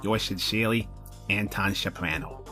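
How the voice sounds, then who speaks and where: A man's voice: fairly low pitch, fairly even intonation, normal speed, bright, forceful tone, faint music behind. A man voicing a blustering, menacing mob boss in a comic story, speaking broken English in a blunt, melodramatic way. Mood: solemn. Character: menacing, blustering male mob boss, cowardly when cornered.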